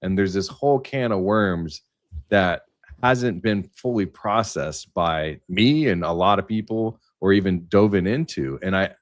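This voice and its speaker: A man speaking as a panelist in a livestream discussion, rambling and tentative as he thinks out loud. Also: low voice, no echo, clean studio sound. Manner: halting, tentative, thinking aloud.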